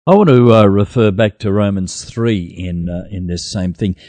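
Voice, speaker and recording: A man's voice: on the low side, moderate pace, a little mellow, dry recording. A man in a conversational religious discussion, speaking in a sardonic, skeptical manner.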